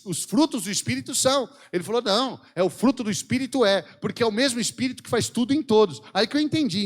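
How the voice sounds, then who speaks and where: A man with a Brazilian Portuguese accent preaching a fervent, exhorting sermon at a church event. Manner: fervent, exhorting the congregation with sweeping pitch swings.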